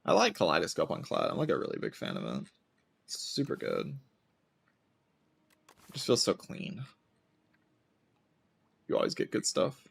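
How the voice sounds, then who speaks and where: A man streaming a game, chatting casually in a relaxed, raspy voice with vocal fry, often saying "like". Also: sits low, moderate pace, pauses often. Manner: relaxed, laid-back, chatty with filler "like". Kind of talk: casual chat while gaming.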